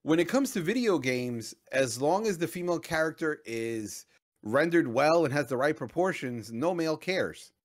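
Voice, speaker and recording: A man's voice: fairly high pitch, animated, normal speed. A man co-hosting a casual podcast chat, blunt and opinionated, joking freely as he talks. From Latin America. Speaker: podcast co-host.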